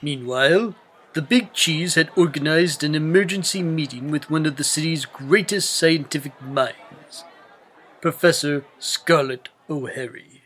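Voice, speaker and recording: A man's voice: a little high, a little slow, a bit bright, low-quality recording. A man reading a children's storybook aloud as scripted narration. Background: music.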